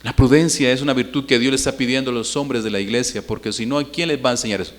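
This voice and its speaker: A man's voice: mid-range voice, steady tone, fast talker. A man, preaching a Sunday sermon in church and putting questions to the congregation. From Colombia. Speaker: pastor.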